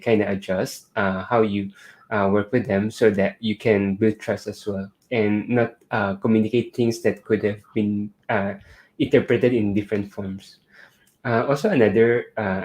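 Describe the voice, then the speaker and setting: A man's voice: fairly low pitch, a little mellow. Chatty man, filler-heavy. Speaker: panel guest. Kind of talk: casual discussion.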